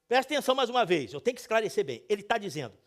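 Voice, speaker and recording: A male pastor preaching a sermon, telling stories with sudden swings between loud and soft, and speaking directly to the congregation. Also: sits high, sing-song, rapid-fire.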